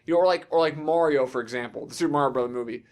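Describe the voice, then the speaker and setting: A man's voice: a little high, rapid-fire. A man hosting a podcast in casual chat, talking in an emphatic, profane, ranting way. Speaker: podcast host.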